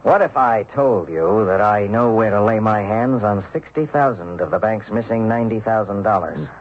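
An actor playing a wronged, determined ex-banker in a radio mystery drama, speaking earnestly and persuasively. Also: male voice, on the low side, normal speed, lightly acted. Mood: firm, insistent. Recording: muffled, noisy old radio broadcast.

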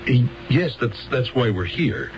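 An actor playing an earnest, flustered American court-appointed lawyer in a 1970s radio drama, stammering and hesitating. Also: male voice, mid-range voice, animated, unhurried, highs cut off, natural voice. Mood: exasperated, coaxing. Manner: hesitant, stammering, throat-clearing. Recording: band-limited 1970s radio broadcast, music.

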